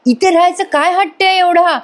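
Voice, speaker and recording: A woman's voice: very high voice, fairly even intonation, moderate pace, voice pushed up. A woman voicing a young husband who speaks reproachfully and coaxingly. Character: young husband, annoyed and reasoning.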